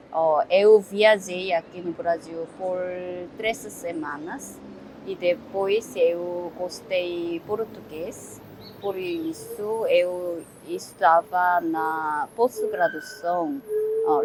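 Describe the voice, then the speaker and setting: A woman from South Korea with a Korean accent, answering interview questions in halting second-language speech, pausing often to search for words. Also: fairly low pitch, noisy background.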